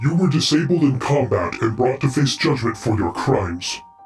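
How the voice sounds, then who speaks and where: Clear music plays in the background while a man performs a put-on character voice at a medium pitch. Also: moderate pace. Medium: audio drama. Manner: formal, measured.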